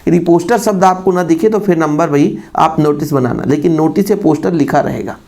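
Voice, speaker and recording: Students hear a male teacher preparing them for an exam in a fairly quick, gravelly voice that sits on the high side and is a little mellow. Reading English, he has an Indian accent, and he tends to repeat phrases and ask rhetorical questions.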